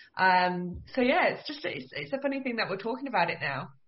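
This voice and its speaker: This woman has a normal speaking voice with a fairly high pitch. She speaks at a moderate pace with lively intonation. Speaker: podcast host. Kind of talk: friendly interview.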